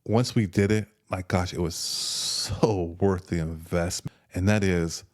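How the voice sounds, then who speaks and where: A man in his fifties talking casually as a health coach, relaxed and repeating words as he thinks. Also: sits low, unhurried. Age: 50s. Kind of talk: casual conversational health talk.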